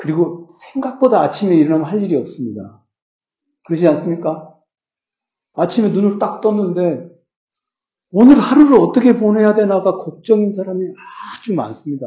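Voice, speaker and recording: A man with a high pitch talks at a moderate pace. He leaves long, frequent pauses. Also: lively intonation. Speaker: philosophy lecturer. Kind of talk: lecture. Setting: church hall with audience.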